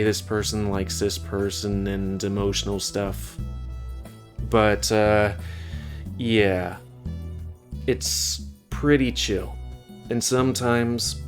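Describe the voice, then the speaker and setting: Guy rambling about games he's been playing, restarts a lot, light music in the back. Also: lowish voice. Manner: rambling and self-interrupting, with fillers. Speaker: gaming video host. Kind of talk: casual game review over gameplay.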